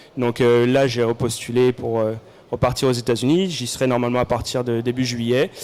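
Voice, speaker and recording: A man talks at a medium pitch and a fairly quick pace. His intonation stays fairly even against noticeable background noise. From Brittany, France (Morbihan, Vannes). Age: 30s. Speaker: schoolteacher and fishing guest. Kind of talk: interview. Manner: halting.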